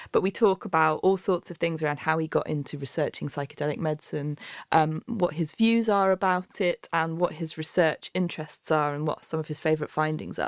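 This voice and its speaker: A woman with a British accent speaks at a very deep, low pitch and a fairly quick pace, with ordinary pitch variation. The recording is very clean with a silent background, and the sound is dry and close with no echo. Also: hardly any pauses. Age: 30s. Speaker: podcast host and drug researcher. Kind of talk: casual solo chat answering listener questions.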